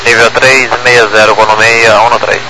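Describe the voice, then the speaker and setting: A man with a Brazilian accent, an airline pilot speaking over the aircraft radio in brisk, clipped readbacks. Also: medium pitch, flat delivery. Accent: Brazilian Portuguese. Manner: brisk, formulaic phrasing. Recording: noisy radio transmission with static.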